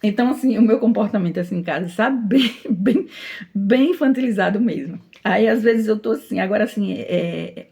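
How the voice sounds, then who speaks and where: Brazilian lady giving a relaxed faith talk, warm mellow voice, gentle and chatty. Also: mid-range voice, normal speed, vocal fry, a little hiss or hum. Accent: Brazilian Portuguese. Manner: gentle, chatty, tends to laugh while speaking. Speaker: Christian teacher. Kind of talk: informal devotional talk.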